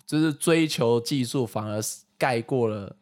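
A man with a Taiwanese accent chats casually as a co-host. He explains things with earnest enthusiasm in an average-pitched male voice. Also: a little slow, darkish tone. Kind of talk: casual chat.

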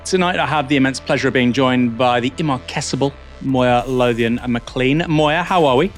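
A man's voice: mid-range voice, moderate pace, soft background music. A man hosting a news show, presenting scripted links and commentary.

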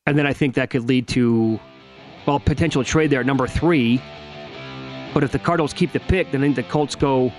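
A man co-hosting a sports betting show, teasing his partner with quick rhetorical questions and teasing upcoming segments. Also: medium pitch, a little mellow, soft background music. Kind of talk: casual banter and segment teasers.

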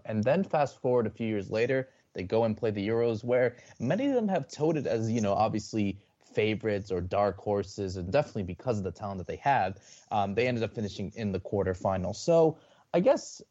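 A man's voice: lowish voice, lively intonation, a little fast, mellow, lo-fi sound. A man co-hosting a football podcast, asking long, rambling questions. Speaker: podcast co-host. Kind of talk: casual podcast interview.

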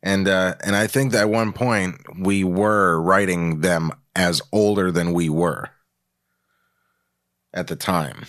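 A man's voice: low-pitched, steady tone, takes it slowly, fairly bright tone, no room sound, studio quality. A man co-hosting a podcast in casual, rambling chat, swearing freely and poking fun at himself. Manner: rambling, profane, self-mocking. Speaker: podcast co-host.

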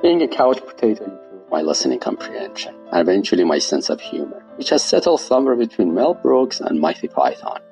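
A man's voice: lowish voice, big pitch swings, a little fast, gravelly, hardly any pauses, warm tone, faint music behind, rough recording. An older man from Iran with a Persian accent, reading his own personal essay with dry, wry humor.

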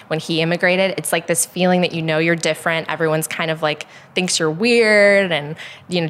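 Young woman from Poland, American accent, interview guest, chatty with fillers, lower register. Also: fairly bright tone. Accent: American, Chicago-influenced. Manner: talkative, frequent likes and ums. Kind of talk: candid conversational interview.

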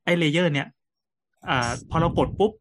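A man's voice: a little high, a little fast, noisy background. A man in his thirties co-hosting a podcast, chatting casually with friends in joking, slangy banter. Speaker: podcast co-host. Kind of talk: casual chat among friends.

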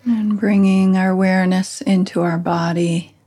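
A woman leading a guided meditation as a teacher, giving gentle instructions with long pauses. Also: mid-range voice, fairly even intonation.

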